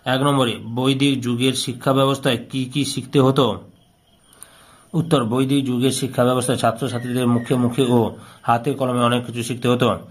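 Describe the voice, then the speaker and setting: A man's voice: mid-range voice, little pitch movement, moderate pace. A man teaching by reading out questions and answers, repeating phrases as if dictating. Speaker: history teacher solving an exam paper.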